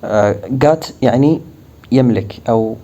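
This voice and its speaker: Man, native Arabic speaker, English teacher, warm dark tone, slow careful repetition of examples. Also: medium pitch, lo-fi sound. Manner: repeats English phrases slowly and deliberately. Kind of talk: language lesson explaining phrases.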